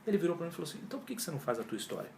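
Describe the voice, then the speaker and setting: Fairly high in pitch, rapid-fire, and marked by vocal fry, this man's voice comes with slight background noise. A yoga teacher from Brazil in his 40s, he's an interview guest in a casual chat, recounting his story with animation, reenacting his past conversations, and using heavy slang in an echoey room with faint ambience.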